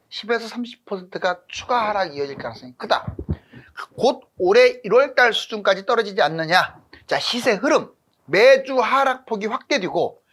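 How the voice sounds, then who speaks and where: A husky-voiced host delivers market commentary like a hard-sell pitch. The pitch swings widely from phrase to phrase. Statements come in short, emphatic bursts, broken up by rhetorical questions. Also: fairly bright tone. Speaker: host of a real estate economics channel.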